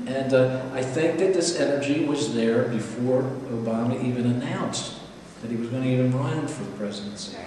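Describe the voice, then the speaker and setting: Over noticeable background noise and strong room echo, a man speaks at a fairly quick pace, his medium pitch varying in an ordinary way. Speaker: community organizer and advisor. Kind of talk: casual interview. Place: classroom. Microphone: camera far.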